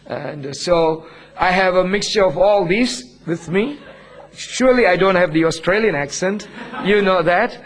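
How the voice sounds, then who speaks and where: A man's voice: high voice, a little slow, low-quality recording. A man from India with an Indian accent and a Southeast Asian touch, preaching a humble, earnest sermon with frequent chuckles. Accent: Indian, with some Southeast Asian. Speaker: pastor. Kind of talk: sermon, personal testimony.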